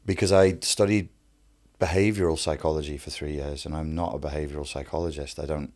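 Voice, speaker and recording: A man with a Wirral Scouse accent, an interview guest telling his life story fluently and briskly. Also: extremely low pitch, steady tone, a little mellow. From Wirral, England.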